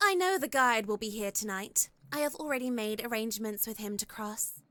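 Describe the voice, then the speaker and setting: Haughty young woman, bright voice. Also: a little high, a little fast, no echo. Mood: haughty, insistent. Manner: haughty, insistent.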